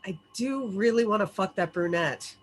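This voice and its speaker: A woman's voice: medium pitch, lively intonation, moderate pace, slight background noise, natural voice. A woman playing a crude, brash young male slacker in a table read, blunt and sweary. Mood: dismissive, crude.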